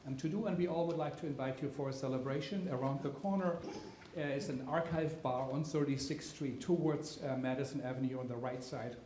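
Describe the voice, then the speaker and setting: Halting man speaking in an echoey hall. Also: mid-range voice, mellow. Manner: halting, with many fillers and restarts. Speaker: event organizer giving welcome remarks. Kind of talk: live welcome speech to an audience. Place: theater auditorium at a live event. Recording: roomy hall sound with faint noise.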